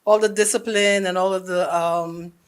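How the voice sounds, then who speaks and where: A woman's voice: lowish voice, fairly even intonation, moderate pace, smooth. A middle-aged woman from Saint Lucia, a salon owner and former police officer, telling her story candidly on a morning show. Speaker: laser hair removal business owner, guest.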